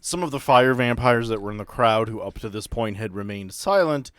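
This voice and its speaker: A man's voice: fairly low pitch, a little fast, clear, resonant tone, dry recording. Man hosting a tabletop game, dry close sound. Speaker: game master and podcast host. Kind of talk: casual banter and narrating a tabletop game.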